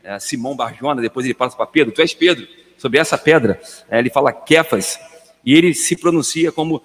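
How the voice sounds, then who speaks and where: A man's voice: medium pitch, a little fast, in a large hall. A Brazilian man in a casual Bible study discussion, earnest and repeating words as he thinks aloud. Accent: Brazilian Portuguese.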